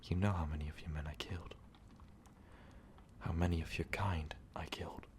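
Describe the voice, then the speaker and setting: A man playing a lovestruck, remorseful vampire overlord in an ASMR roleplay, speaking in a halting, breathy, confessional way. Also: fairly even intonation, a little mellow, a little hiss or hum, close to an everyday voice. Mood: anguished, disbelieving. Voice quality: breathy, whispery, gravelly low voice. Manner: halting, slow, confessional, formal wording. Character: tormented, lovestruck male vampire overlord, remorseful ruthless conqueror. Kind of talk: ASMR roleplay, intimate monologue to listener.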